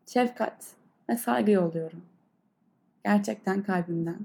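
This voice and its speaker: Gravelly-edged woman, earnest and thoughtful. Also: mid-range voice, dark tone. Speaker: podcast host. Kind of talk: reflective solo podcast talk leading into guided breathing meditation.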